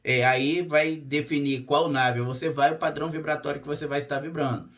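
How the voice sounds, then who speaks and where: A hoarse man hosting his own channel as a spiritual therapist, talking straight to camera in a plain, direct way, often checking in with his listeners. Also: a little high, steady tone, moderate pace, a bit bright. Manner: direct and plain-spoken, frequent "tá?" check-ins. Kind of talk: casual monologue to camera.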